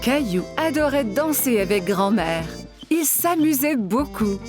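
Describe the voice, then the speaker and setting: A woman narrating a scripted children's cartoon story in simple, clear phrases. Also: a little high, big pitch swings, unhurried. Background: background music.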